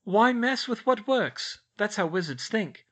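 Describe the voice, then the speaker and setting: A man voicing a clever young witch girl in a storybook, brisk, practical and reassuring. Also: high voice, expressive, fairly bright tone, pitched above the performer's own voice, full character voice. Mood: explaining.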